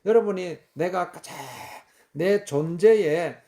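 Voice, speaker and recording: A male pastor preaching a fervent sermon, repeating phrases, often clearing his throat and using many fillers. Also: high-pitched, takes it slowly, warm tone.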